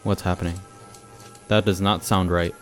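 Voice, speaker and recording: A man's voice: low voice, flat delivery, normal speed, faint music behind, close to an everyday voice. A young man playing a devoted, panicky boyfriend with casual, sarcastic asides in an audio roleplay. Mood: alarmed, protective. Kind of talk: ASMR audio roleplay acting.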